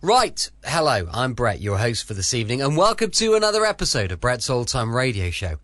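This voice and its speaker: A man's voice: mid-range voice, a little fast, no echo. Chatty British man hosting from home. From United Kingdom. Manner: relaxed, chatty, friendly. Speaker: host. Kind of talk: casual podcast introduction.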